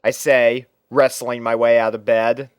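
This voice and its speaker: Smooth-voiced man narrating a story. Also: medium pitch, flat delivery, measured pace, no room sound, studio quality. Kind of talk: scripted first-person story narration.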